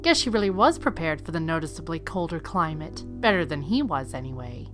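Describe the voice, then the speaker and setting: Narrating an audio drama, a woman reads scripted third-person story lines in a low, very animated, fairly quick voice. Faint music plays behind her.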